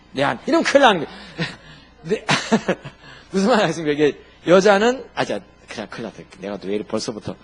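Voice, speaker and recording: A man's voice: high-pitched, breathy edge. A man preaching a sermon as pastor, often asking the congregation questions and laughing at his own jokes. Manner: lively, emphatic preaching with sudden loud and quiet turns.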